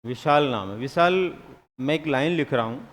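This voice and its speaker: A man's voice: medium pitch, moderate pace, fairly bright tone, big-room sound. A man teaching psychology in a live classroom lecture, questioning students and answering his own questions, sometimes teasing them.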